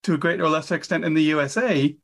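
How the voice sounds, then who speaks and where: A woman's voice: low-pitched, rapid-fire. A woman, an author talking as a guest in a casual interview, chatty and enthusiastic with a self-deprecating streak. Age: 50s.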